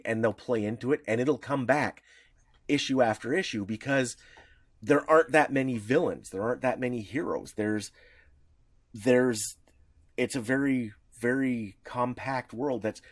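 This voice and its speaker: Male podcast co-host, enthusiastic and rambly, mid pitch, dry close sound. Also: unhurried, no room sound. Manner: rambling, enthusiastic, many restarts. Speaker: co-host explaining comics history. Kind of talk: casual podcast chat.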